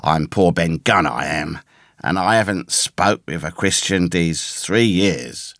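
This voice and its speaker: A man voicing a ragged, pious, half-crazed castaway sailor with a hoarse, awkward voice and rambling rustic seaman's talk, in a storybook reading. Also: sits low, expressive, unhurried, a bit bright, no echo, clean studio sound, voice pushed down, full character voice. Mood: forlorn.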